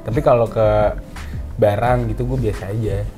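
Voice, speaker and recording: A man's voice: on the low side, steady tone, moderate pace, dark tone, faint music behind. A young man, chatting casually and teasing his friends, laughing often. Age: young adult. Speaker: interviewee. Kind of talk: casual joking chat.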